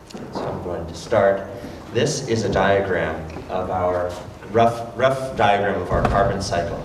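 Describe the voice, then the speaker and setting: A fairly low-pitched man at a fairly slow pace, ordinary pitch variation, with noticeable background noise and audible room echo. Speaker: speaker. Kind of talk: lecture. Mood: relaxed, friendly. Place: hall.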